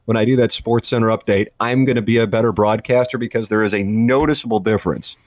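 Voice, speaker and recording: A man's voice: fairly low pitch, steady tone, fast talker, darkish tone, no echo. Male radio host for casual sports banter; dry, needling humor, tight studio mic. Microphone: close studio microphone.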